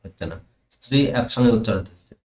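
Male teacher, online grammar lesson, slow dictation with stressed key terms, echoey room. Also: fairly low pitch, a little mellow.

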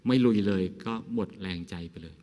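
A man, a Buddhist monk from Thailand, giving a gentle conversational dhamma talk, asking rhetorical questions and laughing softly. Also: brisk, long reverb tail. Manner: frequent soft laughs.

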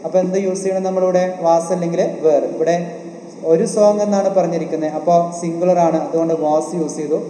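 Man, Malayali accent, grammar teacher, keeps asking and answering himself, dark mellow voice, echoey room with faint hiss. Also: a little high, steady tone, a little fast. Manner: repetitive, asks questions and answers them himself. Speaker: exam coaching teacher. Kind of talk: online grammar lesson.

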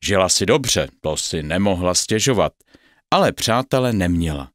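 A man's voice: low voice, no room sound, clean studio sound. A man narrating a bedtime fairy tale, speaking directly to the children listening. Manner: lively, addressing children directly. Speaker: storyteller.

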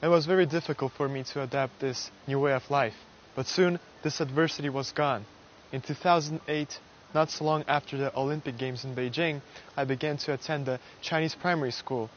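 A young man from Russia, a university student, giving an earnest, measured prepared speech to camera on a lapel mic, outdoors on a garden stage at night. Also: medium pitch, steady tone, highs cut off, a little hiss or hum. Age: young adult.

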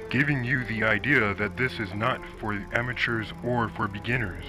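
A man narrating a scripted documentary in a measured, somber storytelling manner. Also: mid-range voice, poor audio. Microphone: voice-over. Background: music underneath.

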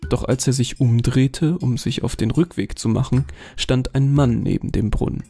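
A man narrating a scripted horror story in a measured, steady way. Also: mid-range voice, vocal fry, slightly rough. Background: faint music.

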